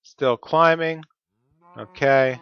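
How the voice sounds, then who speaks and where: A man's voice: mid-range voice, fairly even intonation, very slow, smooth, muffled recording. A man with a stuffy, cold-affected voice, talking methodically through each step of his gameplay. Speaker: Let's Play host. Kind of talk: casual gameplay commentary.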